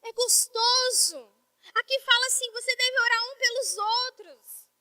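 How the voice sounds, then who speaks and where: A woman pastor from Brazil preaches with a very high, bright, sharp voice. The sound is dry and close, with no room around it. She talks to the congregation in a chatty, heartfelt way. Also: fairly even intonation, normal speed, no room sound. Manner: conversational, emotional preaching with quoted dialogue. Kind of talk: sermon.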